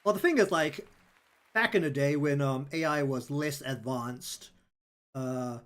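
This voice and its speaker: A man's voice: fairly high pitch, measured pace, fairly bright tone, some chatter behind. A man with a New Zealand accent chatting casually on his livestream, rambling with lots of ums and likes. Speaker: streamer and artist. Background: faint lofi music.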